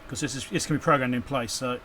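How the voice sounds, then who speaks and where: A man's voice: medium pitch, steady tone, fast, fairly bright tone, a little hiss or hum. A man giving an off-the-cuff, casual running commentary as he does hands-on work, with muttered asides. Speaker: electronics repair channel host. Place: indoor electronics workbench.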